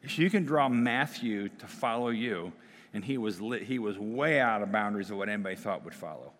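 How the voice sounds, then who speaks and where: A man's voice: lowish voice, expressive, a little fast, a bit bright. A middle-aged male pastor, slightly losing his voice, preaching and praying in a conversational way with fillers and restarts. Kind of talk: sermon with prayer. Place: church sanctuary. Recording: long reverb of a church hall.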